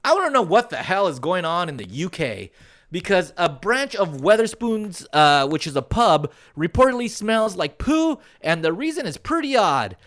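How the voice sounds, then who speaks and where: A young man co-hosting a casual comedy podcast, animated and profane, laughing as he reads odd news stories. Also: sits high, normal speed. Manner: animated, profane, laughing, puts on a mock British voice. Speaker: podcast co-host.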